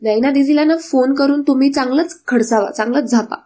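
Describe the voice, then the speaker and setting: A woman voicing an excitable young adult daughter who pleads and calls out to her parents. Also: sits high, a little fast, lightly acted. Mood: eager.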